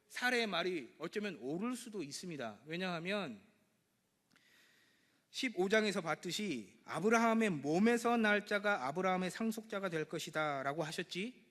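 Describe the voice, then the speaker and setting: A male pastor preaching a sermon, acting out the dialogue of his scripture passage with sudden loud bursts. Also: high voice. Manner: lively preaching, acts out God and Abraham with sudden loud bursts. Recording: church hall with long reverb.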